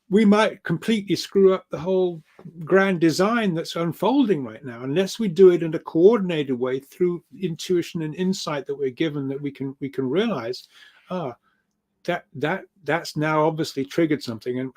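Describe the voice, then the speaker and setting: A man speaking informally as an interview guest, halting and often stammering over repeated words. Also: on the high side, a little mellow. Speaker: guest speaker, grid researcher.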